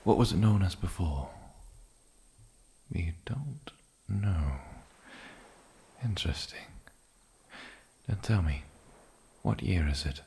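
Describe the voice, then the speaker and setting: A man playing an eccentric, lonely, ancient island demon in a soft-spoken fantasy ASMR roleplay, with a gravelly low voice and musing, polite pauses. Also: lively intonation, slight background noise, heavily acted. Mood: curious, musing.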